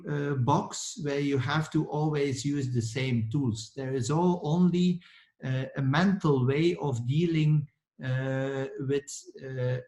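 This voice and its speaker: A man, an architect answering questions in a lecture Q&A, halting with many restarts and fillers. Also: a little high, a little mellow, echoey room. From Belgium. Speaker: architect guest speaker.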